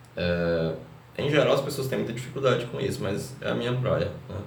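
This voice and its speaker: A man with a northeastern Brazilian accent, amid audible room echo and noticeable background noise. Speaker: epistemologist and lecturer. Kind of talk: reading aloud and explaining a viewer question.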